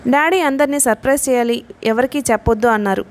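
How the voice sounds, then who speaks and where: A woman's voice: on the high side, fast, lightly acted. A woman reading a novel aloud, voicing a shy young woman who gets flustered. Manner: flustered, pleading.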